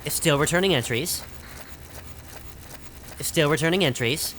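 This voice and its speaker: An actor playing a dutiful spaceship technician in an audio drama, giving brief, dry, matter-of-fact reports. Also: male voice, fairly high pitch, unhurried, fairly bright tone, slight background noise, rough recording.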